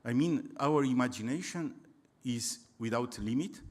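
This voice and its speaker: With a mid-range, darkish voice, the Romanian lecturer speaks English about astronomy to a public audience. His native language is Romanian, and his speech has many pauses and restarts as he looks for the right words.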